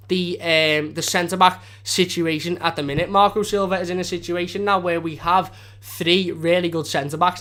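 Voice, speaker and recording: A man's voice: a little high, fairly bright tone. A young man with a strong Scouse accent, hosting a fan channel live stream in casual, rambling chat with frequent restarts. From Liverpool area of England.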